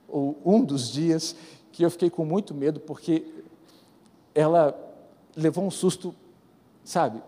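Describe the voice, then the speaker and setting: A Brazilian man preaching a sermon as pastor, moving between loud exhortation and hushed, intimate storytelling. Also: high voice, in a large hall. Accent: Brazilian Portuguese. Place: large church.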